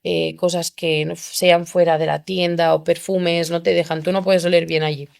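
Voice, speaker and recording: A young woman from Spain, a podcast guest, telling her story in an animated way and acting out the people she quotes. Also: on the low side, moderate pace, gravelly. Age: young adult. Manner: animated, acts out quoted voices. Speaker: interview guest.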